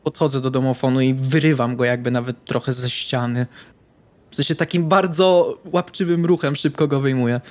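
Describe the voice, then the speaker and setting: A man's voice: medium pitch, normal speed, darkish tone. A man playing a tabletop role-playing game, describing what his character does.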